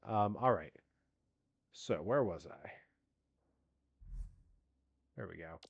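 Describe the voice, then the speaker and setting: Stuffy-nosed guy streaming games, lowish voice, dry close sound, rambles and restarts a lot. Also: expressive, takes it slowly, creaky, no room sound, lo-fi sound. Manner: rambling, with many restarts and fillers. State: congested from allergies. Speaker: gaming streamer. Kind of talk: casual live-stream chat.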